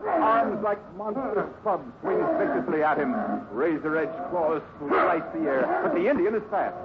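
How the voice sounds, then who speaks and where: A man's voice: fairly high pitch, expressive, a little slow. A man playing a florid, melodramatic storyteller, narrating a 1950s radio adventure. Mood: dramatic, tense. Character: urgent, dramatic adventure storyteller. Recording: muffled, very noisy 1950s radio recording.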